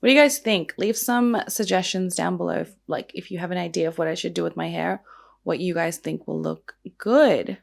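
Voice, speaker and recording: A young woman hosting a true crime and makeup vlog. She talks in a casual, chatty way with lots of "like" fillers, and her voice is croaky from the early morning. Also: fairly low pitch, moderate pace.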